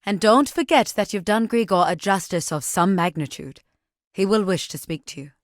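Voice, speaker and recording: An actress playing a proud, stern tribal warrior woman in a video game, speaking in a solemn, measured, formal way. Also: medium pitch, animated, no echo, clean studio sound, close to an everyday voice. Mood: solemn, honoring. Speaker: game character voice. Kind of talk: scripted game dialogue.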